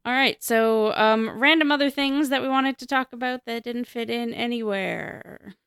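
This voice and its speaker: A woman's voice: fairly high pitch, normal speed, fairly bright tone, clear, resonant tone, no room sound, studio quality. A woman hosting a podcast, steering an informal conversation. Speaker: podcast host. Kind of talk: casual hosting chat.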